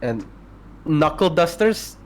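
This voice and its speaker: A man's voice: a little high, very animated, slow, a little hiss or hum. A man co-hosting a tabletop gaming podcast, reading out homebrew item rules with many fillers and self-corrections. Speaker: podcast co-host presenting homebrew. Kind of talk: casual chat and reading stat blocks.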